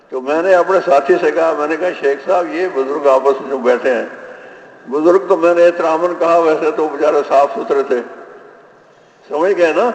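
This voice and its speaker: Over noticeable background noise, a man speaks in a fairly high pitch with ordinary pitch variation. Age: 80s+. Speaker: preacher. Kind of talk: sermon. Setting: stage with audience. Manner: animated.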